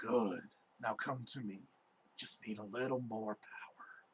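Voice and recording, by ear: A man puts on a raspy character voice at medium pitch and a moderate pace.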